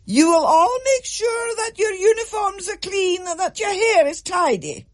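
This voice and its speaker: A man's voice: very high-pitched, animated, unhurried, voice pushed up. A man voicing a severe, commanding schoolmistress who lays down strict rules to her class. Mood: stern. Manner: strict, commanding, clipped warnings. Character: stern, severe middle-aged schoolmistress. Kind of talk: storybook reading, radio thriller.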